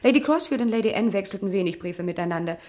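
Actress as young lady companion in a crime radio play: medium pitch, precise, haughty, pointed, faintly indignant. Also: expressive, quick pace, a little mellow, natural voice. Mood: precise, composed. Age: 20s. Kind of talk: German radio crime drama acting.

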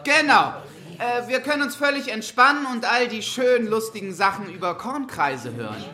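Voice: medium pitch, normal speed. An actor playing a proud, playful camp leader who introduces a guest in a rousing way, in a radio crime drama. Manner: rousing announcer-like delivery. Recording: lively group chatter behind.

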